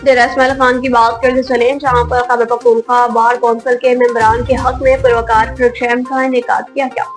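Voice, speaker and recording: A woman from Pakistan reading a regional news bulletin as anchor, in a formal, measured delivery. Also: on the high side, level tone, soft background music.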